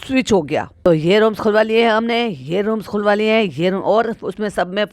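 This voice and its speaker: A woman's voice: medium pitch, brisk, dry recording. A woman giving teasing, sarcastic reaction commentary on a video. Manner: teasing and sarcastic, with frequent laughs. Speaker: reaction vlogger.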